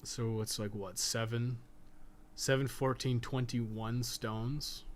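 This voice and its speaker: A man's voice: medium pitch, flat delivery, slow. Man muttering through a game stream, noisy background. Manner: rambling, muttering to himself, casual swearing. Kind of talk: casual live gaming commentary, thinking aloud and chatting.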